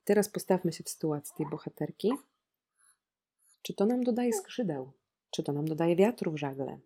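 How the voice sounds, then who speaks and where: Ironic, low-voiced woman discussing a book. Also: expressive, moderate pace, mellow, husky. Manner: ironic, reflective, frequent hesitations; asks listeners rhetorical questions.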